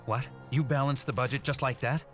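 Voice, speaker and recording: A man's voice: medium pitch, steady tone, brisk, a bit bright, soft background music, lightly acted. A man voicing an impatient, incredulous young government agent in a motion comic. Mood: exasperated. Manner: incredulous, complaining.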